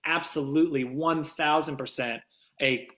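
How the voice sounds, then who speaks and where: A man's voice: a little high, steady tone, normal speed, fairly bright tone. A man speaking as an interview guest and demo producer, conversational, earnest and emphatic.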